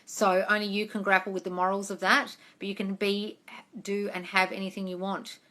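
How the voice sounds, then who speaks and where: A woman in her forties, working as a manifestation coach, chats informally through a live Q&A and calls her audience "darling" and "guys." She delivers flatly at a moderate pace in a mid-range, bright, forceful voice, recorded on a phone held close.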